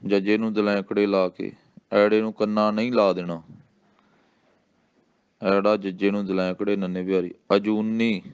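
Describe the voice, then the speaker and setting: A man from Punjab with a Punjabi accent, teaching correct recitation of scripture and drawing out each recited word slowly and calmly. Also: lowish voice, clear, resonant tone, dry recording, lo-fi sound. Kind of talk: slow recitation with pronunciation instruction.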